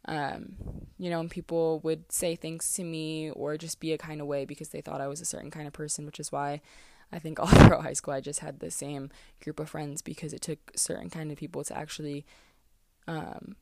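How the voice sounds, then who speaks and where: A woman's voice: low-pitched, flat delivery, brisk, vocal fry, darkish tone, a little hiss or hum. A woman in her twenties from the East Coast, hosting a casual solo podcast and talking candidly, with many fillers and restarts. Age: 20s. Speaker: podcast host. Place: closet, small room.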